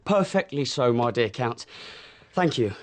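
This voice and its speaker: An actor playing a nervous, fawning young rogue who stammers and flatters, in a radio drama. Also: male voice, medium pitch, unhurried, close to an everyday voice. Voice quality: stammering, obsequious.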